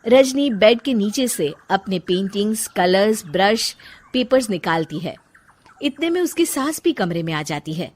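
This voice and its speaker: A woman's voice: medium pitch, expressive, unhurried, a little mellow. A woman narrating a cartoon storybook in a plain storytelling manner.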